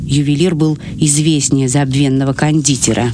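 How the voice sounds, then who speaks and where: A man's voice: fairly high pitch, steady tone, normal speed, background noise. A man narrating scripted literary prose as a storyteller. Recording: loud music behind the voice. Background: music.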